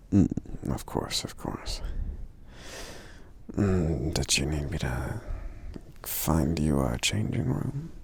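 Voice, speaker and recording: A man playing a kindly, considerate giant friend in a soft-spoken ASMR roleplay, gentle and hesitant, murmuring with thoughtful hums in a gravelly half-whisper. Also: rumbling low, heavily acted.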